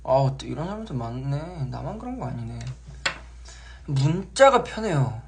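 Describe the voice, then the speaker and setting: A young man hosting a casual live stream, relaxed and chatty, sometimes acting out how he sounds on the phone. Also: mid-range voice, a little fast, gravelly, background noise. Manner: relaxed, chatty, acts out his own phone voices.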